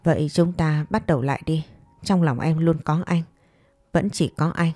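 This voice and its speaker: A clinging young woman pleads insistently and reproachfully, voiced by a woman storyteller. The voice is low and mellow, in a fireside storytelling romance, recorded dry over soft music. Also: moderate pace, dry recording. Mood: pleading.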